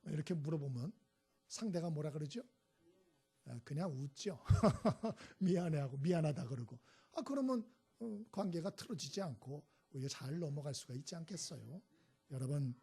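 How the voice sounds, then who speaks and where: A man's voice: on the high side, warm tone, breathy edge. A male pastor preaching a sermon, telling stories and prodding the congregation with short questions. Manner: storytelling, prods the congregation with "예?" and "음?".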